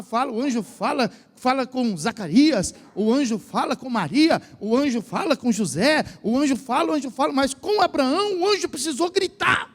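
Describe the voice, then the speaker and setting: A Brazilian man with a very high, gravelly voice preaches in a lively, animated way, with a Brazilian Portuguese accent. His sermon swings between joking asides and shouted peaks. The sound carries a long reverb from the big church hall. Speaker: pastor.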